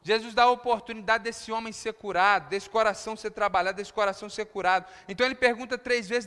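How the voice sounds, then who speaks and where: A Brazilian pastor preaching in a very high, bright voice, swinging from hushed explanation to emphatic passages. The sound carries a long reverb from the church hall around him. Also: male voice. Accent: Brazilian Portuguese. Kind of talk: sermon.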